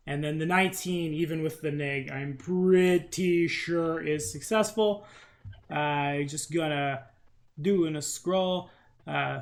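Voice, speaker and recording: A man running a tabletop role-playing game as game master, talking casually and muttering counts and rules aloud. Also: on the high side.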